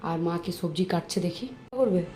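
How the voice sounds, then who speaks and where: A woman chatting to viewers in a casual daily vlog, speaking softly because of a sore throat. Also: lowish voice, fairly quick, soft background music. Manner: chatty, addresses viewers directly. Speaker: vlogger. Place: home and outdoors, moving around. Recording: noisy phone recording.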